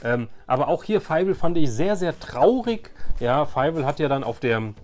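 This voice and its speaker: A man's voice: fairly high pitch, very animated, moderate pace, darkish tone. A man in his forties from Germany hosting a casual, nostalgic show-and-tell, speaking in a rambling, repetitive, hesitant way. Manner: hesitant, rambling, repeats phrases. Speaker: YouTube host showing childhood collections.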